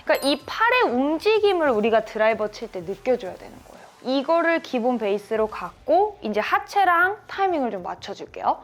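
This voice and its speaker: Guiding a student swing by swing, this woman golf coach offers encouragement and shouts sound cues like "bang" on each hit. Her high voice swings widely in pitch, and she talks briskly with hardly any pauses.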